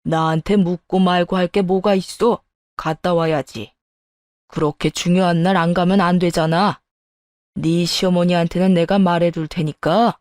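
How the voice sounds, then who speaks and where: 여성이 연기하는 호통치는 시아버지. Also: female voice, fairly low pitch, steady tone, normal speed, darkish tone, no echo, studio quality, lightly acted. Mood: firm. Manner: scolding, harsh and commanding. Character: angry older man, stern father-in-law.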